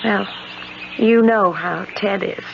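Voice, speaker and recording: A woman's voice: medium pitch, slow pace, vocal fry. A woman playing a fragile, earnest, hopeful young disabled woman in a hesitant 1970s radio drama style. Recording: noisy muffled vintage radio broadcast.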